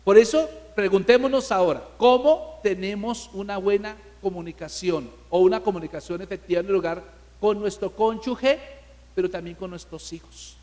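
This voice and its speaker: A man with a notably high voice preaches to his congregation in a church hall. He is emphatic and keeps firing rhetorical questions at the listeners. His voice rings with a long hall reverb. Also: moderate pace, a little mellow. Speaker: pastor. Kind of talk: sermon.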